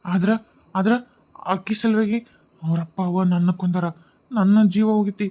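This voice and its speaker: A man's voice: high-pitched, fairly even intonation, normal speed, warm tone, natural voice. A man voicing the ghost of a murdered young husband in a cartoon, speaking North Karnataka Kannada and swinging from sobbing complaints to vengeful threats. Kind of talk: cartoon voice acting.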